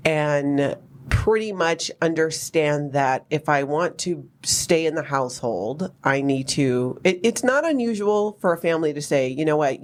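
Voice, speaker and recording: A woman in her fifties from Hawaii, hosting a podcast and telling her own life story in a candid, wry, animated way with lots of asides. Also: low voice. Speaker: podcast host. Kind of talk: personal storytelling chat.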